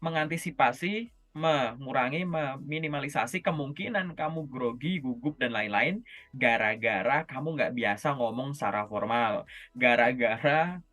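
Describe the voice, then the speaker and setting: A man coaching job interview skills in a casual, lively session over a video call, often checking in with his listener. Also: medium pitch, moderate pace, faint music behind. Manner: lively, chatty, often checks in with "oke?" and "gitu".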